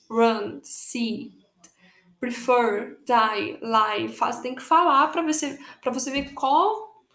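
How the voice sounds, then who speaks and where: A woman's voice: sits high, roomy sound. A young Brazilian woman teaching an online English grammar lesson, patiently repeating rules and spelling out letters. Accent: Brazilian Portuguese.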